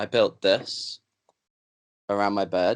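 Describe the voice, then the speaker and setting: A man with a British accent talks at a very slow pace, the sound dry and close with no echo. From UK. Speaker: debate opponent. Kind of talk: debate.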